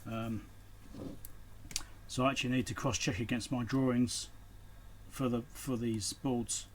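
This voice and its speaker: A man's voice: mid-range voice, flat delivery, unhurried, slight background noise. A man giving casual, unscripted commentary while he works on electronics, muttering to himself in short, broken phrases. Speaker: electronics repair hobbyist and video host.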